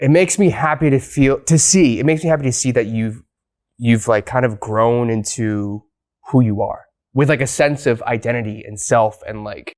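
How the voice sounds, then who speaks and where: American guy hosting an interview, mid-pitched, rambles and restarts a lot, curious. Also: normal speed, a little mellow. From United States. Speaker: talk show host. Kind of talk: casual interview chat.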